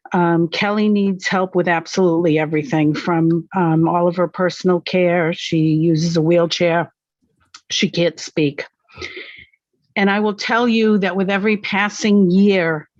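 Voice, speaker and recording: This woman has a normal speaking voice, fairly low in pitch, delivered at a fairly slow pace. Her loudness stays very even and her intonation fairly even. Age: 60s. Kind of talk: public hearing testimony.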